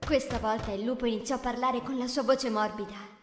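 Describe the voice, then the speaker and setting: A woman narrating a children's fairy tale in an expressive storytelling voice. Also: fairly high pitch, a little fast. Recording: echoey, reverberant room with music.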